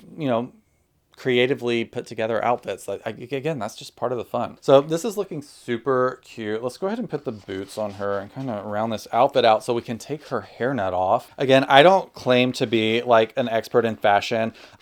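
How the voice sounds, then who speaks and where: A man with an American accent uses a normal speaking voice at medium pitch, with ordinary pitch variation and a fairly quick pace. His loudness swings widely, and the recording is very clean with a silent background. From US South. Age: 30s. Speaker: doll collector YouTuber. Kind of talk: casual unboxing vlog. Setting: bedroom.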